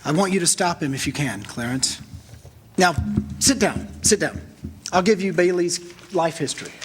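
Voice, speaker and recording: A man playing a kindly, authoritative superintendent of angels, measured and in charge, in a staged radio drama. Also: high-pitched, noisy background, close to an everyday voice. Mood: kindly, instructing.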